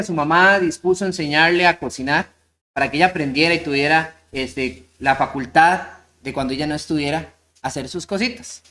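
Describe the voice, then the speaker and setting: A man preaching a sermon, telling a story earnestly and slowing down on key points. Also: high-pitched, a bit bright. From Costa Rica. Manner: storytelling, earnest, slows down for emphasis.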